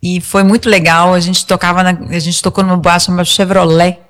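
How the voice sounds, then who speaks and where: A woman's voice: fairly low pitch, flat delivery, brisk, big-room sound. A woman with a Brazilian Portuguese accent, a singer telling stories casually and emphatically in an interview, often acting out quoted dialogue.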